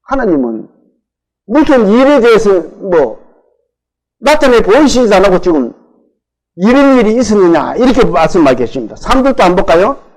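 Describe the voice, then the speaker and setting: A male pastor with a Gyeongsang Korean accent delivers a sermon in a high-pitched voice that swoops up and down. He poses questions to the congregation and answers them himself, drawing out the words he stresses. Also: big pitch swings, moderate pace, darkish tone, poor audio.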